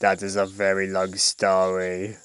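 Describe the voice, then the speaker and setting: A man's voice: low-pitched, completely flat delivery, unhurried, heavy background noise. A man playing a level-headed, encouraging flying hero with a matter-of-fact manner in an amateur audio drama.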